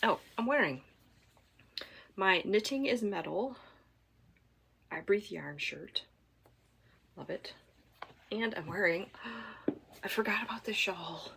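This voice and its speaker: A woman from Michigan hosting a knitting podcast, chatting casually to camera at home while congested, rambling with fillers and soft asides. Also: medium pitch, expressive, slow pace, gravelly, pauses often, slight background noise. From Michigan, USA.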